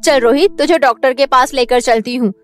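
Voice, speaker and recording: A woman's voice: high voice, brisk, faint music behind, lightly acted. A woman voicing a nagging, scornful stepmother in a cartoon story. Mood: scolding. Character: scolding mean stepmother, middle-aged woman. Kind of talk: cartoon voice acting.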